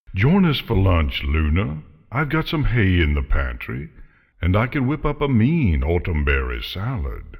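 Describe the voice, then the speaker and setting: A man uses a put-on character voice with a very deep, low pitch. His pitch swings very widely. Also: moderate pace, very clean recording, silent background. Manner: warm, friendly.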